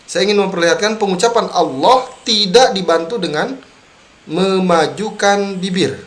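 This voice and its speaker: A man teaching Quran recitation in an online tajwid lesson, repeating sounds slowly to demonstrate them. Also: high voice. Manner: drawn-out slow demonstration syllables between explanations.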